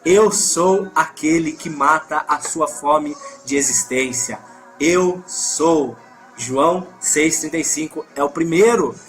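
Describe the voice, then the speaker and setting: A man's voice: a little high, slow pace, a bit bright, soft background music. A man with a Brazilian Portuguese accent leading a live Bible study, emphatic, reading scripture aloud and correcting himself as he goes.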